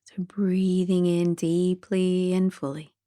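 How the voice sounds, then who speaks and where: A woman gently guiding a sleep meditation in a soothing, soft and breathy voice that drifts toward a whisper. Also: on the low side, level tone, slow, dry recording, studio quality. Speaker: meditation guide.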